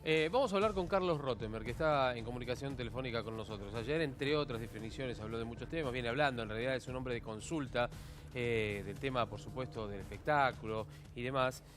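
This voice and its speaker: A male TV news host, asking questions haltingly with many fillers. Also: medium pitch, music in the background. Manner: hesitant, filler-laden questions. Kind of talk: broadcast interview.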